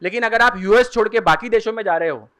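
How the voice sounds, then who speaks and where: A man with a fairly high voice lectures a seminar audience on study options. He explains step by step, slowing down to spell out and repeat the key terms. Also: fairly bright tone, clear, resonant tone. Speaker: career guidance speaker. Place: seminar hall.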